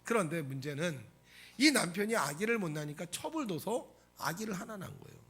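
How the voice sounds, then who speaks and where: A male pastor delivers a lively sermon in a church, telling the story with animated swings in his voice. His voice is high and bright, and it has a raspy edge. He keeps asking the congregation questions. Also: brisk. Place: church sanctuary.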